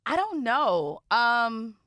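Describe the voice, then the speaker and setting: A woman's voice: a little high, big pitch swings, extremely slow, a bit bright, no echo, clean studio sound. A woman co-hosting a podcast, chatting casually and candidly with plenty of slang. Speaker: podcast co-host. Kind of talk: casual chat. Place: podcast studio.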